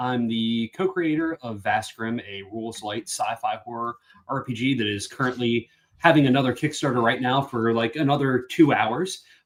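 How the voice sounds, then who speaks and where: A man with an unremarkable speaking voice talks at a medium pitch in an American accent, with ordinary pitch variation. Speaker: tabletop game designer. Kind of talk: interview. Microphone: built-in computer mic.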